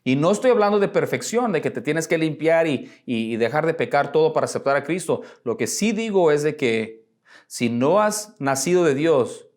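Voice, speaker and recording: A male pastor preaching in a conversational way, with a voice a little higher than most men. He mixes rhetorical asides and small jokes into the sermon and lifts his voice to act out quoted speech. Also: animated, moderate pace, a little mellow.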